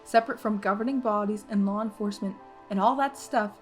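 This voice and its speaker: A woman's voice: medium pitch, fairly quick, soft background music, close to an everyday voice. A woman playing an earnest, talkative, opinionated schoolgirl who lectures emphatically in an audio drama. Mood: indignant. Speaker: podcast drama actress.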